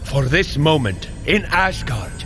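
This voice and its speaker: Noble warrior god, high animated voice, unhurried, earnest, heroic audio drama. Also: male voice, heavily acted. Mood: encouraging. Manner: grand, earnest, old-fashioned heroic speech. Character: hearty, noble male warrior god of Asgard, encouraging. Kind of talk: scripted audio drama acting. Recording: music under the voice.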